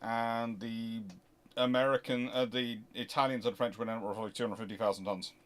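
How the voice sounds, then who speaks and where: A man hosts a casual, unscripted question-and-answer commentary, thinking aloud haltingly and growing emphatic as he explains. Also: medium pitch, flat delivery. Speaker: history channel host answering viewer questions.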